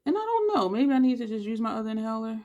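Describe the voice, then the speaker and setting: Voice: mid-range voice, very animated, fast, mellow, highs cut off. A beauty vlogger chatting casually through a makeup tutorial, thinking aloud as they work, sounding congested with audible breaths between phrases. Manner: rambling, thinks aloud while working.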